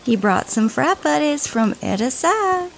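A woman's voice: high-pitched, big pitch swings, a little slow, vocal fry, heavily acted. A woman playing a bubbly, teasing young party-loving best friend in an audio drama, coaxing and playful. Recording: loud music bed behind the voice.

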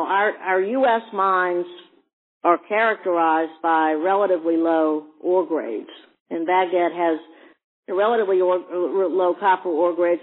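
High-voiced halting male executive, tinny line. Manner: halting, often repeats words. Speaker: company executive. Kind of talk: earnings call presentation and answers. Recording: tinny narrow phone-line sound.

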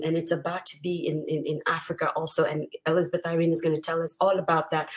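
A Ghanaian woman hosting a storytelling livestream, greeting viewers effusively in many languages and laughing often. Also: lowish voice.

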